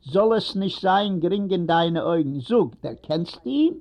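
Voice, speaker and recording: A man voicing a patient elderly rabbi who questions gently but insistently. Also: high-pitched, animated, unhurried. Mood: coaxing. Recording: dull lo-fi recording.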